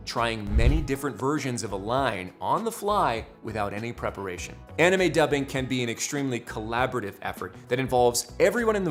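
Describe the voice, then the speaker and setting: A voice actor who teaches anime dubbing leads a scripted tutorial, his medium-pitched voice a bit bright. He mixes wry, jokey asides with emphatic explanations.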